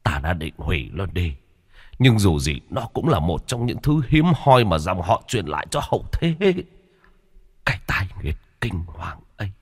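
A man's voice: low-pitched, big pitch swings, normal speed, slightly rough, long reverb tail, full character voice. A man voicing a tormented, dying old father whose strained words rise into anguished cries. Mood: grave confession. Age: older. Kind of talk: dramatic storytelling.

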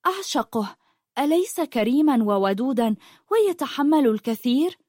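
A woman voicing a dreamy sixteen-year-old girl who speaks of the sea in a soft, poetic way. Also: sits high, animated, normal speed, no echo, studio quality, voice pushed up. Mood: wistful.

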